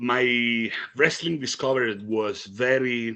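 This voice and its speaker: Bright and sharp in tone, a man speaks at a medium pitch with a slight Italian accent. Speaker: professional wrestler. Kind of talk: interview. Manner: halting.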